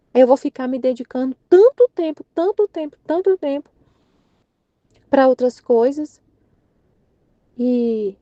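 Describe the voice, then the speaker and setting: Brazilian woman, higher-pitched, telling a personal faith story in a halting, rambling way; dull, dry lo-fi capture. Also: dark tone, no room sound. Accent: Brazilian Portuguese. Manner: rambling and halting, many fillers and restarts. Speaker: faith study group participant. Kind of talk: casual spoken testimony. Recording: dull lo-fi audio.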